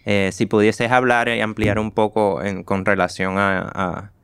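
Male academic interviewer; halting, filler-heavy questions, crisp voice, dry recording. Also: lowish voice, flat delivery, a bit bright, dry recording. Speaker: professor and interviewer.

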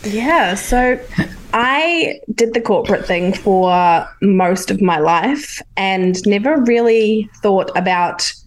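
Woman from New Zealand, light accent, podcast guest, open, eager, mid-pitched. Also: lively intonation, slow pace, low-quality recording. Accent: light New Zealand-Australian blend. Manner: open, enthusiastic, self-deprecating. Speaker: hypnotherapist guest. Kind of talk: casual interview chat.

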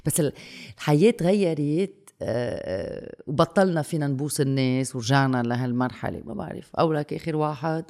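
A speaker with a Lebanese Levantine Arabic accent chats casually, talking fast in a medium-pitched, gravelly, slightly mellow voice. They repeat phrases for emphasis and mix in English and French words.

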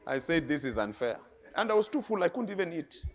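A middle-aged man with a Kenyan accent, preaching a sermon with lively stories, laughing and swinging between soft and loud. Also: on the high side, fairly quick, a crowd in the background, noisy background. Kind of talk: sermon with storytelling.

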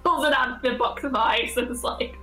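High-voiced woman gaming, roomy echo. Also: fairly quick, sharp tone, faint music behind. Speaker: tabletop game player. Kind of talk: casual chat.

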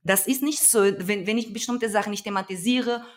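A woman's voice: medium pitch, normal speed. Earnest woman with a Brazilian accent. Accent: Brazilian Portuguese. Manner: earnest, emphatic, searching for words. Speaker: activist guest. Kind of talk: conversational interview.

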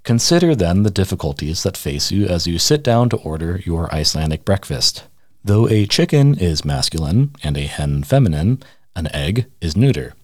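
Deadpan low-voiced man reading wryly. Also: normal speed, dry recording, studio quality. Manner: wry, deadpan mock-serious delivery. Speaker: radio essayist. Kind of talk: humorous essay read aloud.

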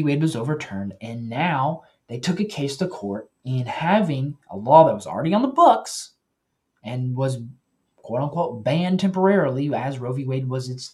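A man hosting a Christian news commentary show, talking earnestly and directly to his listeners, often pausing and correcting himself. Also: medium pitch. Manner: earnest, with self-corrections and pauses.

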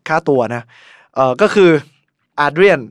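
A young man chatting casually as a podcast co-host, an animated storyteller who laughs often. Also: a little high, moderate pace, clear, resonant tone, no echo, clean studio sound. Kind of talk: casual chat about a football documentary.

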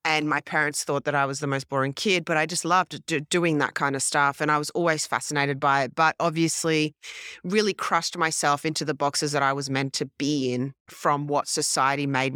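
A woman in her forties with an Australian accent, French her first language, telling her life story in a restless, quick, self-correcting way as a podcast guest in a hotel room. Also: low-pitched, fairly bright tone, smooth, dry recording, clean studio sound. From grew up in French Polynesia, then Australia. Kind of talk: casual interview storytelling.

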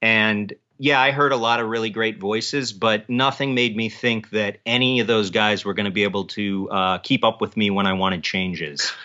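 A man's voice: on the low side, steady tone, moderate pace, few pauses, pushed and bright, dull audio. A man speaking as an author being interviewed, in a casual conversational way.

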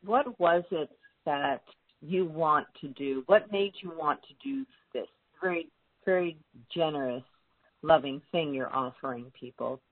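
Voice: mid-range voice, measured pace, dry recording. An interview host speaks in an encouraging, prompting way, urging listeners to sign up. The voice is dry and close, with a narrow, tinny sound like a phone connection. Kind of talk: interview conversation.

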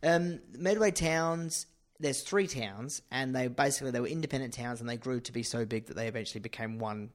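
A man's voice: mid-range voice, fairly even intonation, fast, hardly any pauses. English man chatting as podcast host. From England. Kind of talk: casual chat.

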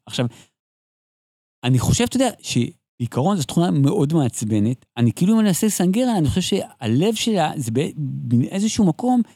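A man talking in a fairly high, very lively voice that rises and falls widely, with a mellow, dark timbre. He tells rambling stories as an interview guest, restarting sentences often. The recording is close and dry. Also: dry recording. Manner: animated, digressive, frequent restarts. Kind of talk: casual storytelling conversation.

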